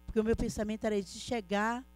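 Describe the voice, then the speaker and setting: A middle-aged woman gives an emotional church testimony, earnestly calling her listeners brothers as she tells her story. She talks fast, her voice a little high with a level tone.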